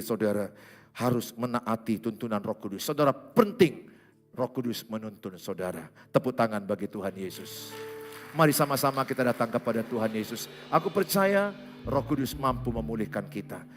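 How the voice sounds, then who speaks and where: Male pastor, lively swooping pitch, sudden loud exclamations, church hall sermon. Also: brisk, soft background music.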